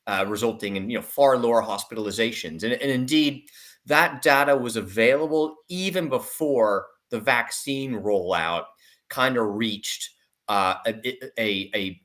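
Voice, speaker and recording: A man's voice: lowish voice, a bit bright. A man speaking as an investment analyst in an interview, giving conversational commentary with repeated words and qualifying asides.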